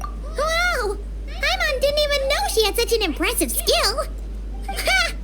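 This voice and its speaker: A woman voicing a tiny, excitable female flying companion in a game, chirpy and talking about herself by name. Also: very high voice, slow, noisy background, heavily acted. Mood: amazed, teasing. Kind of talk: game dub acting. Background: game music.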